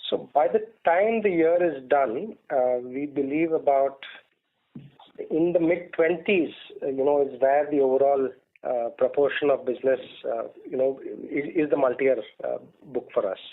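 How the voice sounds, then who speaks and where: A man answering as a company executive on an earnings call, in measured, hedged corporate phrasing. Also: mid-range voice. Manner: hesitant, measured corporate phrasing with frequent "you know". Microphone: telephone conference call. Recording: tinny conference phone line.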